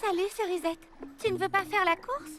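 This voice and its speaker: A woman voicing a sweet, excitable young girl in a children's cartoon, bubbly and emotional. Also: very high-pitched, a little fast, over music. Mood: dismayed. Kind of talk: French children's cartoon dub acting.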